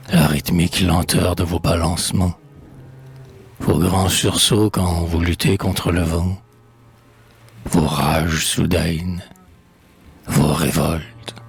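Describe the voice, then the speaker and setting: Male poetry reader, low gravelly register, husky, solemn and measured delivery. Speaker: poet reading poems aloud. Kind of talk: solemn dramatic poetry recitation in French.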